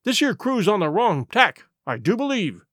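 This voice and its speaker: A man voicing a superstitious pirate crewman with urgent, rough sailor's talk. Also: high voice, big pitch swings, normal speed, a bit bright, no echo, studio quality, exaggerated voice. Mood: relieved.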